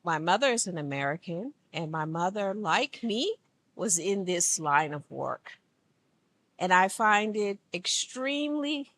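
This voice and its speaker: A woman from Liberia giving an earnest, emphatic speech at an event, speaking slowly. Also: fairly low pitch, a bit bright. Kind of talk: formal public speech. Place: conference room.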